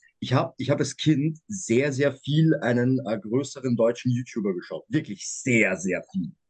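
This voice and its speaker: With lively intonation and hardly any pauses, a man talks in a medium-pitched, somewhat breathy voice. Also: fairly slow pace. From Vienna, Austria. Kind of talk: casual chat.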